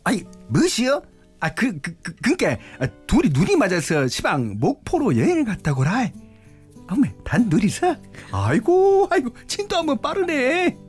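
An actress playing a brash, teasing middle-aged mother with a thick Jeolla accent and a husky voice. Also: on the high side, huge pitch swings, moderate pace, darkish tone, faint music behind, full character voice. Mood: surprised. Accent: Jeolla dialect. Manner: exclaims and scoffs in thick dialect. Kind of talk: radio drama acting.

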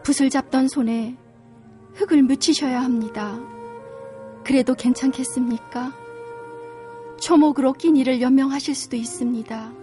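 A woman's voice: sits high, steady tone, normal speed, long pauses, dark tone, soft background music, close to an everyday voice. A woman playing an earnest, devoted young court lady in a historical drama skit. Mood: solemn, anxious.

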